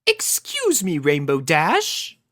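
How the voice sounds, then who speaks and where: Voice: medium pitch, huge pitch swings, takes it slowly, fairly bright tone, pitched above the performer's own voice, exaggerated voice. A performer voicing a refined, dramatic female unicorn pony in a storybook reading, prim and theatrical in manner. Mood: puzzled.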